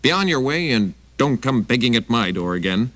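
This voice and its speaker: Un homme jouant une grosse dame avare et grincheuse. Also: male voice, medium pitch, sing-song, moderate pace, a bit bright, no echo, pitched above the performer's own voice. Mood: scolding. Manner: scolding, curt. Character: stingy grumpy big woman, cold and cranky.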